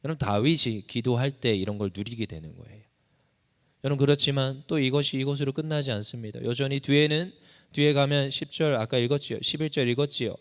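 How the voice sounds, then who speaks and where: A man's voice: medium pitch, quick pace. A man preaching a sermon as pastor, impassioned, his voice climbing sharply whenever he cries out a prayer. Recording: long reverb of a church hall.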